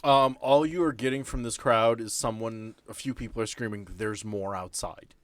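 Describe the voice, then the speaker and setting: A man's voice: mid-range voice, steady tone, moderate pace, no room sound. A man casually narrating a tabletop role-playing game as game master.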